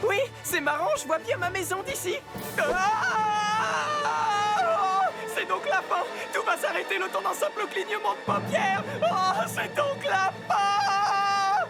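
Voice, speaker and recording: A woman's voice: very high voice, animated, slow, loud music behind the voice, heavily acted, low-quality recording. A woman in a French cartoon dub voicing a sassy, punning young superhero girl who is exclamatory and melodramatic. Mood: dramatic, sassy.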